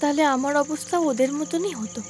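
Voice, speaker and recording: A woman's voice: sits high, brisk, a little mellow, slight background noise, natural voice. A woman playing a devoted, respectful young female student in a film drama. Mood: respectful, earnest. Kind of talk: Bengali film drama acting.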